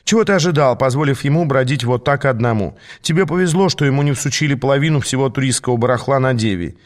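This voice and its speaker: A man's voice: mid-range voice, close to an everyday voice. A man doing a teasing young female assassin. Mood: chiding. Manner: teasing and brisk. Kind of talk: audiobook reading.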